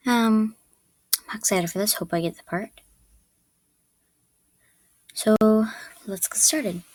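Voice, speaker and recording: Unhurried woman in a dry recording. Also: mid-range voice, darkish tone, no room sound. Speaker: amateur voice actor auditioning. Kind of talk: casual self-introduction for an audition.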